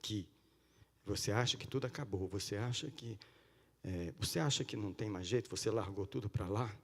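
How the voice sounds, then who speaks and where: A man preaching a sermon in a church, swinging from loud cries to hushed pleading. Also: fairly low pitch, a little fast, creaky, breathy edge. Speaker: pastor. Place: church sanctuary. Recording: long church-hall reverb.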